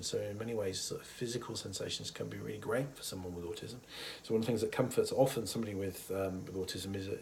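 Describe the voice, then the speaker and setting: A man speaks in a lowish, husky voice, roughened by a cold. He talks casually and thoughtfully to camera, pausing often on fillers as he explains. A faint hiss of room ambience sits under his voice. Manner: thoughtful, hesitant with many fillers, chuckles softly. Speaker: therapist. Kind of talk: casual educational talk to camera.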